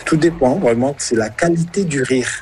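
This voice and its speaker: A man's voice: medium pitch, moderate pace, darkish tone. A comedian being interviewed, explaining his view and listing examples. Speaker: comedian guest. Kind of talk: interview talk.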